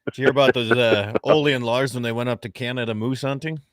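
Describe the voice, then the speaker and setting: A man hosting an outdoors radio show from his ranch porch, telling folksy jokes and opening the show in a loud, upbeat on-air voice. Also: mid-range voice, fairly even intonation, fast talker, no room sound. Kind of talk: casual chat, then radio show opening.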